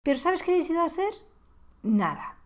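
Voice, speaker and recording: A woman's voice: very high-pitched, very animated, brisk. A woman talking through a reflective monologue on parenting, asking the listener rhetorical questions. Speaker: parenting podcast host.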